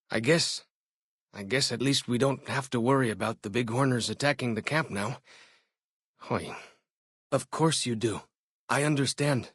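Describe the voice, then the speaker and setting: An actor playing a friendly young male tribal scout in a video game, with a casual, folksy and expressive delivery. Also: medium pitch, slightly rough, no room sound, clean studio sound. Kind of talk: in-game dialogue and combat barks.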